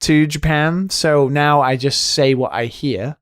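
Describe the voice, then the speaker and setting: Soft-spoken man, mostly neutral British accent. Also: on the high side, measured pace, no room sound, studio quality. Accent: mostly neutral British with some American pronunciations. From Wales. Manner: soft-spoken, rambling, says "like" often. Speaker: podcast co-host. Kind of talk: casual podcast chat.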